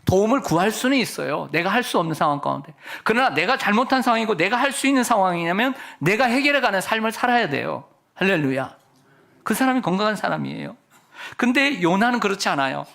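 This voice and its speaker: A man's voice: sits high, lively intonation, fast talker, creaky, fairly bright tone. A middle-aged male senior pastor preaching a Sunday sermon, often asking the congregation questions. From South Korea. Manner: preacherly, asks the congregation questions and acts out voices.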